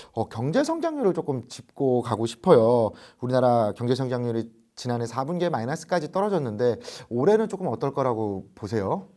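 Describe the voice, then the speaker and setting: A man hosting an interview, asking steady questions and murmuring short acknowledgements. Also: medium pitch. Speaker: interview host. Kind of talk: interviewer with brief backchannels.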